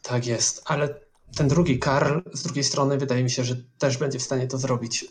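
A man's voice: mid-range voice, little pitch movement, moderate pace, slight background noise. A man playing a tabletop role-playing game, talking hesitantly and unsure. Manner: hesitant, uncertain. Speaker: player.

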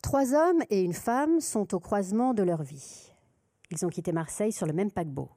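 A woman reads a first-person novel aloud, her tone mellow and warm. She is intimate and expressive, sinking at times into a near whisper and at others lifting her voice high. The sound is close and dry, with almost no room around it. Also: normal speed, dry recording, recorded from a distance. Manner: intimate, expressive, drifting between hushed whisper and raised voice. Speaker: actress reading a novel aloud. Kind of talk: literary reading. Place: live reading event.

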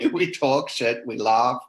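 A man's voice: medium pitch, takes it slowly. A South African man, a guest in a casual video-call chat, who laughs easily and swears casually.

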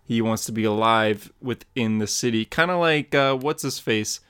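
A man in an easygoing podcast chat who wanders through his thoughts and keeps breaking into laughter. His voice sits at an ordinary middle pitch. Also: moderate pace, a bit bright, smooth. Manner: rambling and giggly, laughs often mid-sentence. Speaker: podcast co-host and comic artist. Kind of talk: casual chat.

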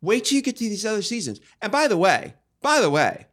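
A man's voice: high voice, very animated, a little fast, fairly bright tone. A man co-hosting a podcast in casual chat, talking in a flamboyant, emphatic way. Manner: flamboyant, emphatic, playful exclamations. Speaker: podcast co-host.

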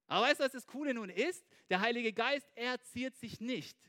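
A man giving an informal, animated sermon, talking straight to his listeners and checking in with them constantly. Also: extremely high pitch, moderate pace. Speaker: preacher.

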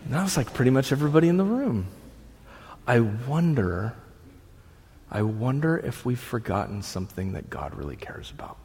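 A man in his thirties preaching a sermon as pastor, animated, swinging from excited outbursts to hushed lines, with a husky voice. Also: medium pitch, normal speed, background noise. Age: 30s. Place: church hall. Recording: long reverb of a hall.

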